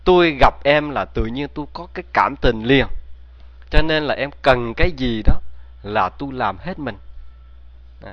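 A man voicing an eager, smitten young man who makes hushed, earnest promises, in a dull lo-fi recording. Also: mid-range voice, lively intonation, normal speed, pauses often, no echo, lightly acted.

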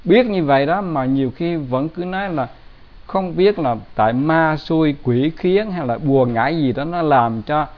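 A man giving a Buddhist dharma talk in a plain, conversational way with gentle humor. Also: on the high side, normal speed. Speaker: Buddhist teacher. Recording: dull lo-fi recording.

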